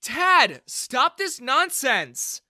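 A storyteller voicing a kind, outspoken young woman who speaks up for a friend, in a high put-on voice. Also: very animated, unhurried, pushed and bright, no echo, studio quality. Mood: fierce. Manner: earnest, outspoken.

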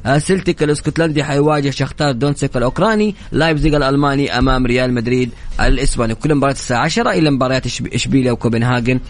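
A man's voice: mid-range voice, rapid-fire. A man with a Saudi accent presenting a live sports show on the radio as its host. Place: radio studio.

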